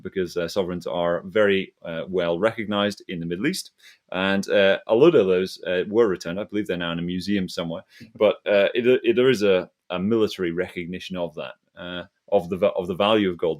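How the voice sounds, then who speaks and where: A man's voice: low voice, fairly even intonation. A man hosting a casual panel discussion, speaking in a hesitant, rambling way. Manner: hesitant, halting, rambling delivery. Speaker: host of an investment discussion.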